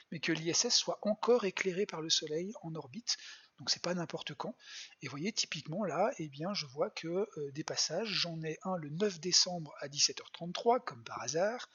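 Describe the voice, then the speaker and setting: A planetarium educator giving a live online astronomy demo for children, explaining patiently with lots of hesitant fillers and quiet muttered asides while clicking through web pages. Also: medium pitch, husky, muffled recording. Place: at home.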